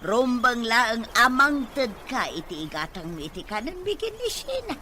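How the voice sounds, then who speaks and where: A woman's voice: fairly high pitch, big pitch swings, normal speed, noisy background. A woman playing a grumbling, money-minded Filipino grandmother who likes to gamble, in an Ilocano audio drama. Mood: eager.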